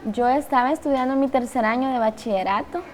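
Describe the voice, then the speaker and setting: A Salvadoran woman in her twenties speaking in an interview, in a quiet, reflective way. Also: high voice, a little fast, slight background noise. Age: 20s.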